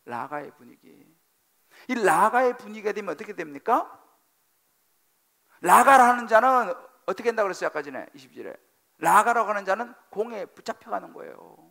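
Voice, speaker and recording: A middle-aged male senior pastor giving a sermon in a church sanctuary, preaching with animated emphasis, repeating phrases and putting questions to the congregation. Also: high voice, brisk, creaky.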